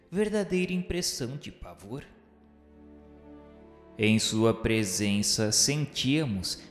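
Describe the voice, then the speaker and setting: Solemn Brazilian male narrator in cavernous reverb. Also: medium pitch. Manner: solemn, formal, literary diction. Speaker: narrator of a radio novel. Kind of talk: dramatic scripted first-person narration. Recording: echoey hall reverb with music. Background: music.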